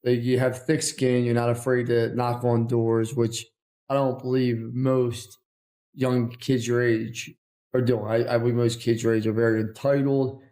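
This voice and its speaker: A man's voice: mid-range voice, little pitch movement, measured pace, warm tone. A man with an accent hosting a podcast interview, blunt, brash and teasing. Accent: non-native English. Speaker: podcast host. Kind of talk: casual interview.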